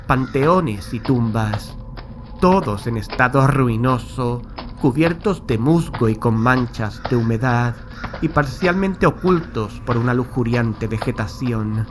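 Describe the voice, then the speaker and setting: Haunted male storyteller, played by an actor, grave and literary, middle register, gothic audiobook with clear background noise. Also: medium pitch, close to an everyday voice. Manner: solemn, literary, measured storytelling. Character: haunted, nervous man recounting a graveyard horror. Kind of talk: scripted horror audiobook narration.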